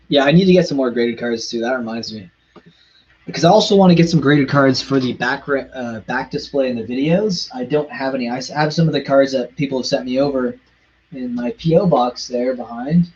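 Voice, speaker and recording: A man chatting casually on a live stream, rushing in quick bursts and stumbling over foreign words. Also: medium pitch, darkish tone, slightly rough, muffled recording. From Canada.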